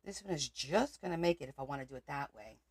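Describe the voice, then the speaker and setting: A woman's voice: low voice, lively intonation, fast, breathy edge. A woman from Portugal hosting a crafting livestream, thinking aloud as she works and answering viewer comments. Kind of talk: casual crafting livestream chat.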